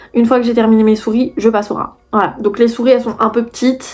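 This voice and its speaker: A woman speaks at a fairly quick pace in a high, animated voice over noticeable background noise. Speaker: YouTuber, snake keeper. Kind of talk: casual vlog.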